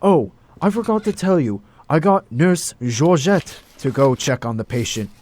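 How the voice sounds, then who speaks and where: A man's voice: a little high, animated, measured pace, a little mellow, slight background noise. A man playing a wistful, secretive doctor in an audio drama, theatrical and evasive, with an air of authority. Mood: composed.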